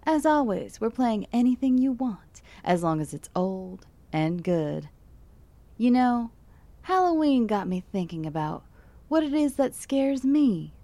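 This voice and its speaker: A woman's voice: on the high side, very animated, measured pace, dark tone, dry recording. An actress playing a friendly late-night radio DJ who talks in a chatty, intimate way to her listeners. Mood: warm.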